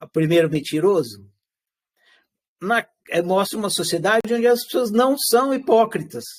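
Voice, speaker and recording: At a moderate pace, a high-voiced man delivers a live class lecture, asking his students questions. His manner is animated: he shifts into acted quotes of everyday speech and responds to his own rhetorical questions.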